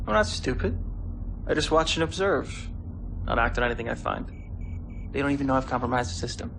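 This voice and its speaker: A man playing a cocky, rebellious young cadet hacker in a video game cutscene, with a gravelly, flippant delivery. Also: medium pitch, lively intonation, a little fast, noisy background. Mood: defensive. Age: young adult. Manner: flippant, boastful.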